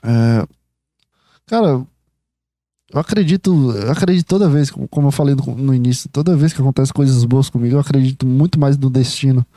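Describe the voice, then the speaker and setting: A young man, hosting a podcast in a rambling casual monologue, excitable and swearing freely as he speaks straight to the listener. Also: medium pitch, fairly quick, no echo, studio quality. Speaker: podcast host.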